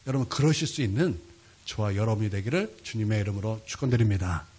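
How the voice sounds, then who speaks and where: Man, pastor, sermon, husky tone, very lively pitch, animated storytelling. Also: fast talker. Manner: animated storytelling with sudden loud peaks. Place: church sanctuary.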